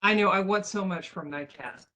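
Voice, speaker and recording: A woman's voice: medium pitch, normal speed, pushed and bright. A woman playing a tabletop game, teasing the others and laughing often. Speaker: player. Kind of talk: casual game table chat.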